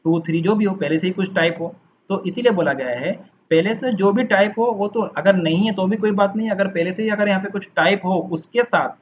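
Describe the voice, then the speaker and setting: Teaching a programming class, this man types code while explaining patiently, going over steps again and putting them in other words. His voice sits high and brisk, and the audio is muffled, lo-fi, and faintly noisy.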